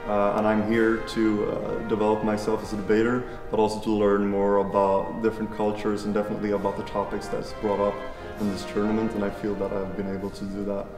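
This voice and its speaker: A man's voice: on the low side, monotone, a little fast, few pauses, far from the mic. A young man from Sweden, a debate student, answering an interview casually with many hesitant fillers. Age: young adult. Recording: echoey room, off-mic, music behind.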